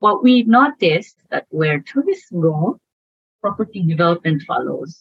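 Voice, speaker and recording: A woman speaks at a fairly slow pace in a somewhat breathy voice. Her pitch swings very widely. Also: medium pitch for a woman. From Philippines. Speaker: tech startup founder. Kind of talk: interview.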